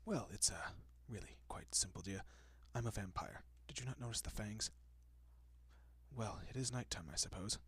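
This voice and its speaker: A man playing a gentle, courteous, possessive vampire in an intimate audio roleplay, speaking softly and often dropping to a whisper with hushed reassurance. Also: lowish voice, normal speed, husky, no room sound. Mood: calm, apologetic. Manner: hushed, reassuring, politely old-fashioned.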